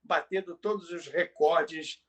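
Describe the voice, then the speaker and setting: A Brazilian man co-hosting a podcast, telling stories conversationally in a halting way, often repeating words. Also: on the high side, fairly even intonation, a bit bright. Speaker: podcast co-host. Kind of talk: conversational storytelling about radio history.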